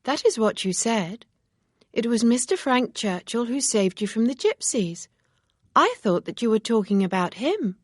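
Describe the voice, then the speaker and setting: A woman's voice: fairly high pitch, very animated, normal speed, no echo, studio quality, pitched above the performer's own voice. A woman doing earnest, proper young lady. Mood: careful. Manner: earnest, precise, formal phrasing.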